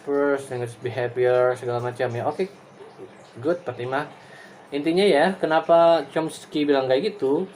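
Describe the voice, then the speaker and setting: A man's voice: on the high side, moderate pace, a little mellow. Guy teaching a class, chatty and rambling, lots of ums, slight hiss behind. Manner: casual and digressive, many fillers and tag questions. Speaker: lecturer. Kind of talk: recorded class explanation.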